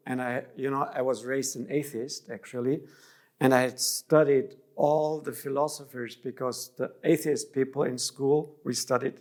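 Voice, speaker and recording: A middle-aged man from Germany, an interview guest speaking thoughtfully and restarting phrases mid-sentence. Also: mid-range voice. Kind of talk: reflective interview.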